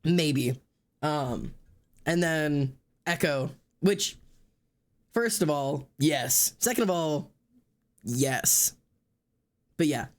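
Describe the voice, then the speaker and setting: A streamer and artist in casual chat, talking in an excitable, rambling way and swearing freely. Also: medium pitch, extremely slow, long pauses.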